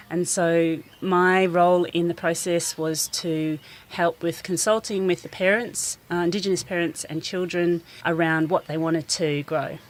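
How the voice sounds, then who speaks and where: New woman, low voice, earnest garden teacher, faint outdoor hiss. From New Zealand. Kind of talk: radio interview, outdoor.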